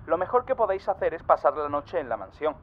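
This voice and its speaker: Man playing a calm investigator on an echoing phone line. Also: on the high side, fast, a little hiss or hum. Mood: reasoned, calm. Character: calm, methodical male investigator advising his team remotely. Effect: radio or phone filter with echo. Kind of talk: audio drama acting. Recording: narrow phone-like line with long echo.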